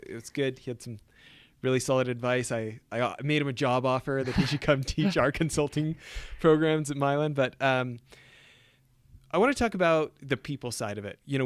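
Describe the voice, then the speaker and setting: A man hosts a podcast interview in a casual way, with plenty of ums along the way. His voice is smooth and resonant, and the recording is dry and close. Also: mid-range voice, dry recording. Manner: casual, filler-heavy questions. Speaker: podcast host. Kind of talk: interview conversation.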